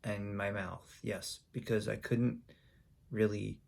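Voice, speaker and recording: A man telling a personal story for his video channel, speaking haltingly with frequent ums and restarts. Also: fairly low pitch, level tone, creaky, darkish tone. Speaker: YouTuber.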